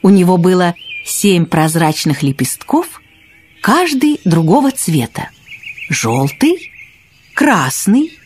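A woman narrating a children's fairy tale from a script, expressive and husky. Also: fairly low pitch, a little hiss or hum. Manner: expressive storytelling.

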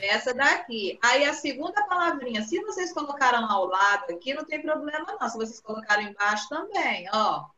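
Brazilian woman teacher, bright and patient. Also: high-pitched, lively intonation. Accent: Brazilian Portuguese. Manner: patient, coaxing, drawn-out words for children. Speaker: primary school teacher. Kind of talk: online class teaching. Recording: echoey room, dull video-call audio.

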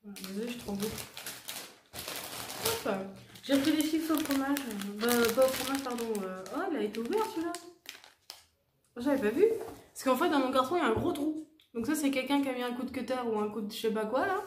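A woman's voice: sits high, expressive, brisk. A young woman chatting casually through a shopping haul, rambling and correcting herself with many fillers. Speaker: vlogger showing a shopping haul. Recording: echoey room with faint noise.

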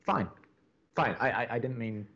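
A man plays an earnest young college radio co-host in an audio romantic comedy. His pitch moves around a lot as he hesitates and stammers reassurances. The sound is slightly dull. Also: lively intonation, normal speed, pushed and bright, husky, exaggerated voice. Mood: awkward, encouraging. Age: young adult. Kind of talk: naturalistic romantic comedy podcast acting.

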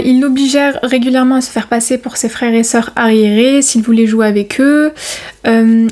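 A woman recounts a true crime case for her viewers. Her voice sits a little high, and she talks casually, with frequent hesitations and slangy asides. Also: dark tone. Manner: chatty and informal, many fillers and slang. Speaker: YouTuber telling a true crime story.

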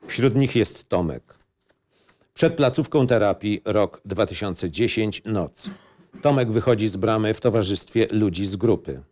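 Low-voiced man narrating a screenplay. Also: measured pace, darkish tone. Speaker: narrator reading stage directions.

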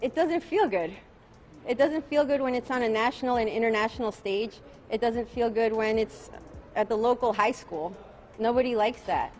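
At an outdoor press conference at night, an attorney in her forties answers reporters through a bank of press microphones, repeating each question before replying. She sounds tired but calm, her voice on the high side at a moderate pace, with a little hiss or hum.

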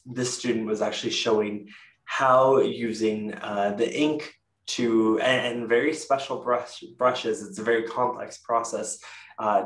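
A young Canadian man giving a casual university info presentation over a video call. He often pauses with fillers and corrects himself. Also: lowish voice. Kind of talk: virtual info session presentation. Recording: echoey room, distant mic.

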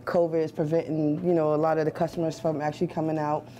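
A woman's voice: deep voice, level tone, quick pace, dark tone, slight background noise. A middle-aged woman, a cafe owner, speaking earnestly and from the heart in an interview, with fillers, inside her cafe. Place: indoors in a cafe.

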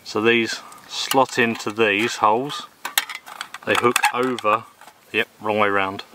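A man in his thirties from England casually reviewing a camping table outdoors in the woods, with a relaxed manner and plenty of ums and uhs. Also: fairly low pitch, takes it slowly, background noise. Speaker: gear reviewer. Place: outdoors in woodland.

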